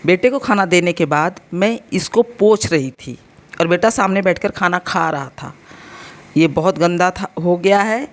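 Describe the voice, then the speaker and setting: In a casual home vlog, an Indian woman in her thirties speaks a little slowly in a voice on the low side. She has an Uttar Pradesh Hindi accent and a slightly sore throat, and she chats with her viewers directly, explaining things as she goes.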